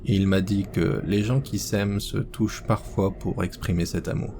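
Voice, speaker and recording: A man reading a horror story aloud as scripted narration, slow and measured. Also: on the low side, steady tone, noisy background.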